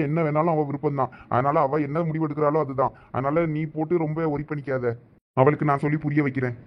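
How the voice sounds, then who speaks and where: A man voicing young male cartoon characters, talking fast, earnest and persuasive, on a dull lo-fi recording. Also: a little high. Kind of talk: cartoon voice acting.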